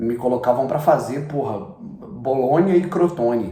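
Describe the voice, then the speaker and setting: This man's intonation is lively, heard with audible room echo and noticeable background noise. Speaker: football YouTuber, former sports journalist. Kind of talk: casual vlog commentary. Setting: home recording late at night. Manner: informal, hesitant with fillers.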